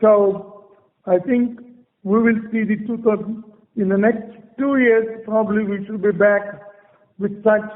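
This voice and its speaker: A man with an Indian accent giving halting, measured answers as a company executive on an earnings call. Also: high voice. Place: conference call. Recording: muffled conference line with long reverb.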